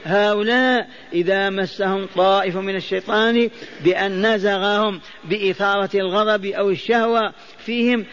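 A man's voice: high voice, steady tone, moderate pace, fairly bright tone. A man teaching and explaining Quran verses, often repeating phrases and quizzing his listeners, and chanting the verses he quotes. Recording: dull lo-fi recording.

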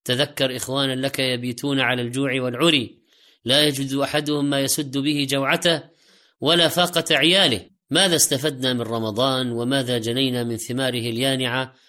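A man's voice: mid-range voice, steady tone, a little fast, bright, forceful tone. A man delivering a religious sermon in formal standard Arabic, exhorting listeners with rhetorical questions and repeated direct appeals. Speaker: preacher.

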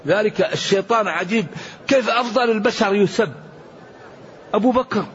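A man's voice: high voice, fairly quick, highs cut off. A man giving an earnest, emphatic Quran commentary lesson, quoting scripture and sayings as he preaches. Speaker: Quran teacher.

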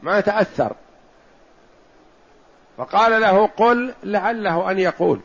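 Gravelly high-voiced man teaching. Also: animated. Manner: measured explanatory delivery, slows to stress points. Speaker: Islamic scholar teaching hadith commentary. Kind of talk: religious lesson. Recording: dull lo-fi recording.

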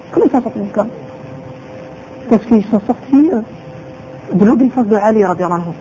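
A woman's voice: medium pitch, lively intonation, fairly quick, dark tone, a little hiss or hum. A woman teaching a religious lesson who repeats her phrases and asks rhetorical questions, on a dull lo-fi recording.

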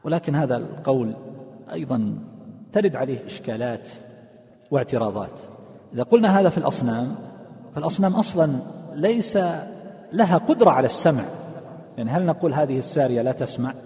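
A man teaching a religious lesson on scripture, explaining it step by step, asking his listeners questions and reading quotes slowly. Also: mid-range voice, animated, warm tone. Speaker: Quran tafsir teacher. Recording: long hall reverb.

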